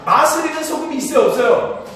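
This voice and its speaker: A man's voice: very high-pitched, lively intonation, fast talker, a bit bright. A man preaching a sermon as pastor, quizzing the congregation, having them repeat after him, and chuckling often. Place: church sanctuary. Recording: echoey church hall from far off.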